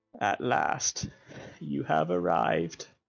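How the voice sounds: Putting on a character voice, a man pitches it very deep and low.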